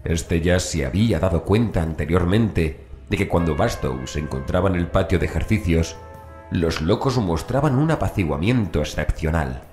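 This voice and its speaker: A man's voice: sits low, expressive, moderate pace, darkish tone. A man narrating a scripted horror story as an audiobook narrator, with music behind him. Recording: voice over background music.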